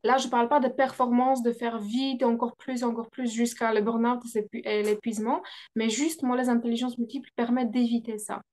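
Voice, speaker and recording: A woman's voice: a little high, flat delivery, a little fast, darkish tone. A woman whose first language is not French, a business coach answering interview questions with frequent fillers and hesitations. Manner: hesitant, many fillers, laughs often.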